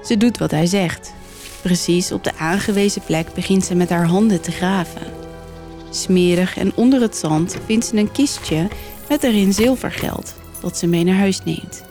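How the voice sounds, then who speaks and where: A woman podcast host narrating a folk tale in a clear, steady storytelling manner. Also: fairly low pitch, normal speed, soft background music.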